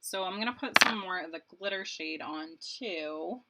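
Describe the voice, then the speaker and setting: A woman's voice: on the low side, moderate pace, sharp tone, rough recording. A woman in her late twenties, a beauty vlogger chatting casually and rambling while she does her makeup, laughing often. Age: 20s.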